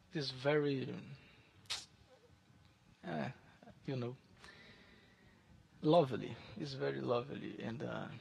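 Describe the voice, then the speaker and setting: Halting man, gravelly. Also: mid-range voice, slight background noise. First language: Portuguese. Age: 30s. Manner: halting, searching for English words. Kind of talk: casual chat with online stranger.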